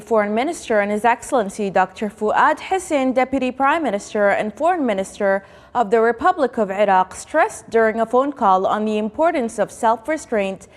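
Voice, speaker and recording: A woman's voice: a little high, long reverb tail. A woman news presenter reading a formal, scripted news bulletin.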